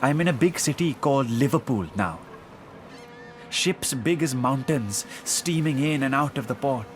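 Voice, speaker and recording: A man's voice: medium pitch, lively intonation, measured pace, faint music behind, close to an everyday voice. An actor playing an earnest, homesick young South Asian sailor reading his letter home in an audio drama. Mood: wistful, wondering. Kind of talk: audio drama acting, letter read aloud.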